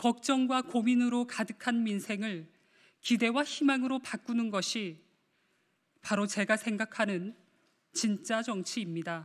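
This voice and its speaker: A woman speaks fairly slowly at a fairly high pitch with ordinary pitch variation. Long, frequent pauses break up her speech against a quiet background. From South Korea. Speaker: politician, party leader; politician. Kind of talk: resignation speech at press conference. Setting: press room at the National Assembly. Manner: formal. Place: hall. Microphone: podium.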